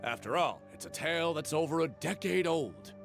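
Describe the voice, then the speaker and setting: Excitable villager, swooping storyteller. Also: male voice, a little high, moderate pace, creaky, over music. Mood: storytelling. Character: gossipy older villager spinning an old legend. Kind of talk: English video game voice acting.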